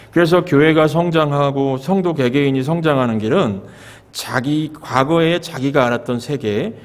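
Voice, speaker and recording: A man preaching a Sunday sermon as pastor, measured and asking the congregation rhetorical questions. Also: medium pitch. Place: church sanctuary. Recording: long reverb of a church sanctuary.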